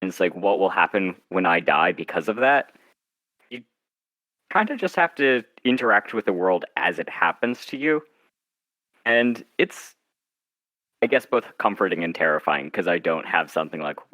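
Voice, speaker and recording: A man being interviewed as an author, chatting casually in a wry, self-deprecating way, haltingly and with little acted-out asides. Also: deep voice, very animated, sharp tone, dry recording, poor audio.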